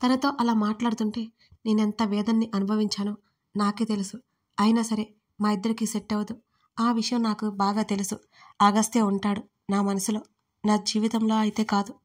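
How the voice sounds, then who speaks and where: A woman storyteller reading a first-person audio story in a steady, earnest way. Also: mid-range voice, moderate pace. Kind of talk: scripted first-person narration.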